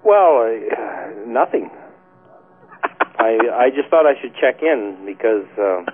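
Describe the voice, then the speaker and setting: A man's voice: medium pitch, expressive, slow. A Canadian man calling in to a webcast, talking hesitantly and laughing often. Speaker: caller. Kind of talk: casual call-in chat. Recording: tinny phone-line sound.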